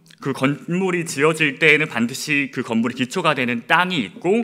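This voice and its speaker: At a moderate pace, a man with a fairly high pitch and bright, sharp tone speaks with lively intonation. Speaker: pastor. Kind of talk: sermon.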